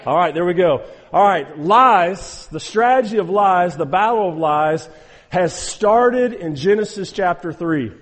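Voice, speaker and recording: Emphatic preacher in an echoing hall. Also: male voice, high voice, lively intonation, measured pace. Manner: emphatic and exhorting, repeats phrases, addresses the audience directly. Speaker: pastor. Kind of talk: sermon.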